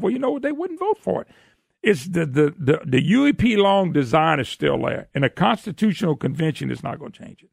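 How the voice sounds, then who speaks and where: A man's voice: high voice, creaky, breathy edge, dry recording, studio quality. A man hosting a political call-in radio show, folksy and emphatic, firing off rhetorical questions. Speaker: radio talk show host. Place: radio studio.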